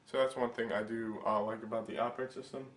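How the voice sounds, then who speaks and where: A man's voice: medium pitch, level tone, fast, roomy sound, a little hiss or hum. Stuffy young man rambling a tech overview. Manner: rambling, filler-heavy, hesitant. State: stuffy from a cold. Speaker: tech channel host. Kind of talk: casual product overview vlog.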